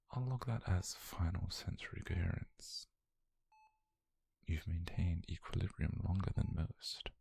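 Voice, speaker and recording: A British man playing a detached, clinical scientist in a whispered ASMR roleplay, measured and softly controlling, murmuring notes on a captive subject. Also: heavily acted. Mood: coolly approving. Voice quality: breathy, gravelly low murmur.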